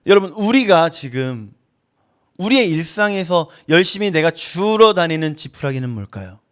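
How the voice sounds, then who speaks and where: A man's voice: fairly high pitch, very animated, normal speed, clear, resonant tone. A male pastor preaching a sermon, acting out little dialogues with God. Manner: preaching, acts out dialogues with God in shifting voices. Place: church.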